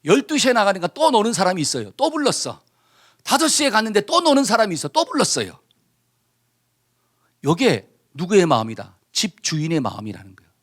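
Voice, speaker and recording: Male pastor, high lively voice, animated sermon, colloquial, acts out dialogue. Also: brisk. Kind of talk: sermon with call-and-response scripture reading.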